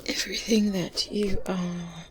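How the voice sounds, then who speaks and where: A woman acting as an experienced good witch speaks very slowly in breathy whispers and soft murmurs, at a middling pitch. She is self-assured and gently condescending, with deliberate pauses, as in a fantasy ASMR roleplay. Faint period ambience sits behind her. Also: steady tone, noisy background, close to an everyday voice. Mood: calm, self-assured. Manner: slow, deliberate, hesitant pauses with hums. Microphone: close binaural microphone. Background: medieval ambience sounds.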